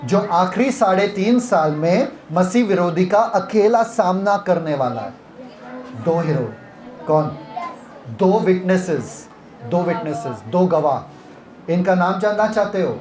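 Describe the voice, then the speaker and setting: A man's voice: high voice, animated, takes it slowly, crowd noise. A man leading a Bible retreat session, teaching interactively and quizzing listeners with repeated questions. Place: retreat hall. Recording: echoey hall.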